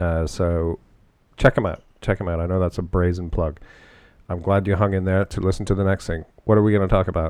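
With a quiet background, a man with a very deep, low pitch speaks at a fairly quick pace and with monotone, flat intonation. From Canada, London, Ontario area. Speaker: podcast host. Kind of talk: casual chat.

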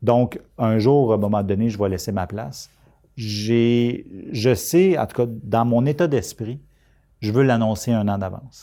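A man's dark, mellow voice at medium pitch, with ordinary pitch variation and a very slow pace. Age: 40s. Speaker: nonprofit executive director. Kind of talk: interview.

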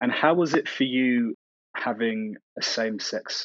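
A man with a London accent speaks at a medium pitch. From South London. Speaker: journalist and podcast host. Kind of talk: casual interview chat. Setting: video call.

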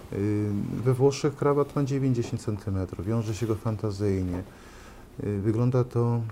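A man's fairly low voice, a normal speaking voice, carries fairly even intonation. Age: 50s. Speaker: tailor. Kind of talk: interview.

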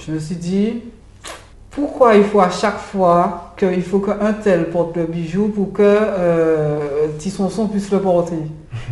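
Delivery is very slow, with ordinary pitch variation. There is noticeable background noise and audible room echo. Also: woman, medium pitch for a woman. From Martinique. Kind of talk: interview conversation.

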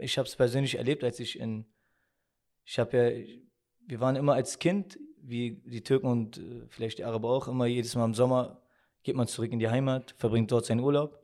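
Over a silent background on a very clean recording, a dark, mellow voice moves at a fairly quick pace with ordinary pitch variation and long, frequent pauses. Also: man, medium pitch for a man. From Berlin, Germany (Roma family from North Macedonia). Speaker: imam. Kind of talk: interview.

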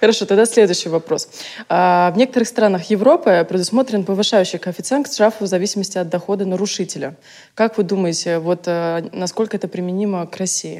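Fairly quick delivery in a dark, mellow tone with ordinary pitch variation. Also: woman, medium pitch for a woman. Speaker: podcast interviewer. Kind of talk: casual interview.

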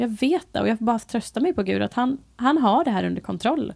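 A woman at a moderate pace in a very clean recording with a silent background. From Sweden, Jönköping. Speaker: founder of a youth care home. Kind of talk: interview. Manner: laughs loudly and often.

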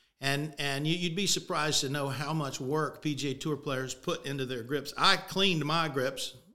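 Talking at a moderate pace with hardly any pauses, a man has a Southern US accent and a fairly high pitch. His tone is bright and sharp, and his intonation stays fairly even. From South Carolina. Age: 50s. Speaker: podcast host. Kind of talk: casual monologue. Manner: relaxed, folksy.

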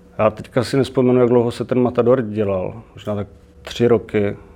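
A man's voice in a monotone, flat intonation. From Czechia, rural village. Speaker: game level designer. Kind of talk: interview.

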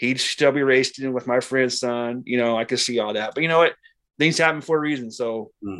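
Speaking in an unremarkable speaking voice with an American accent, a man moves at a fairly quick pace, his medium pitch held in fairly even intonation. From Southern California and Las Vegas. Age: 50s. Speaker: football coach. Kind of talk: casual chat.

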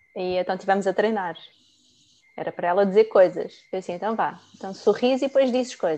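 The woman's pitch sits in the medium range. Her tone is dark and mellow. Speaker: parenting coach. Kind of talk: case presentation.

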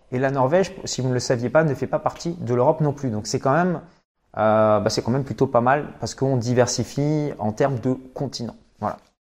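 A man speaks in an ordinary speaking voice at medium pitch and a fairly quick pace, with ordinary pitch variation over a quiet background. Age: 30s. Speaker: former banker and wealth adviser. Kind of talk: casual interview. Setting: host's apartment.

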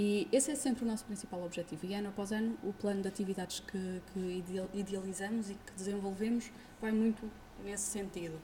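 A woman with a plain, everyday voice holds a medium pitch, her intonation fairly even. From Portugal, Chaves (Trás-os-Montes). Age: 20s. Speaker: cultural events producer. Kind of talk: casual chat. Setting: rooftop venue.

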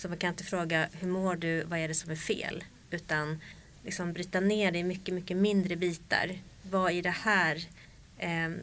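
A woman talks with a Swedish accent in a fairly low pitch. Her intonation stays monotone and flat. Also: moderate pace. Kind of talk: casual interview.

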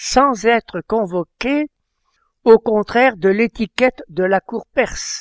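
The recording is very clean with a silent background and a dry, close sound with no echo. A man speaks at a very slow pace and a high pitch, with ordinary pitch variation. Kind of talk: homily-style scripture commentary on the radio; fervent, solemn prayer spoken aloud, reverent and pleading. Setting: radio studio broadcast. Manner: formal, measured, didactic.

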